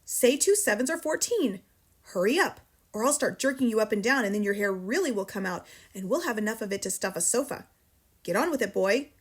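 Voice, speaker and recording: A woman's voice: sits high, big pitch swings, brisk, voice pushed up. A woman voicing a huge, cruel headmistress who barks, snorts and thunders with sarcasm. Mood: bellowing. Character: huge tyrannical female headmistress, cruel, bullying.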